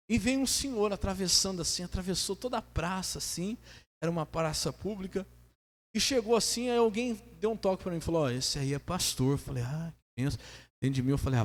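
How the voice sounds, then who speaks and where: Brazilian pastor guy preaching, kinda high voice, big long church echo. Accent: Brazilian Portuguese. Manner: lively preaching, asks the congregation to answer amen. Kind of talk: sermon. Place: church hall.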